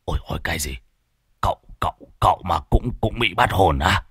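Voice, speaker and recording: A man's voice: low-pitched, expressive, a little fast, a bit bright, husky, no room sound, studio quality, voice pushed down, exaggerated voice. A man voicing a fearful old male village sorcerer who stammers and mutters under his breath. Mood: scared. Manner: stammering, flustered.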